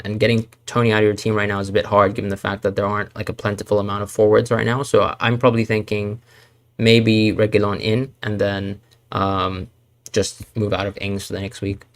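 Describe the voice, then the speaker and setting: At a moderate pace, a Hong Kong man with a lowish, level voice fields chat questions on his live fantasy football stream. He thinks aloud, hedges, and often uses fillers and restarts.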